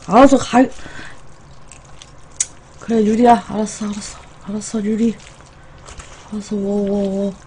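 A woman's voice: mid-range voice, little pitch movement, a little slow, pauses often, dark tone, a little hiss or hum. A young woman chatting casually with viewers as the host of an eating livestream from a small room. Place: small indoor room at home.

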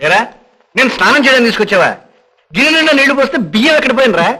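Brief: a joking older uncle, bright, very quick talk. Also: male voice, very high voice, big pitch swings, full character voice. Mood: teasing. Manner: teasing, joking. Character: wry, teasing older uncle. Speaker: uncle of the husband. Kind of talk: 1980s Telugu film comedy acting.

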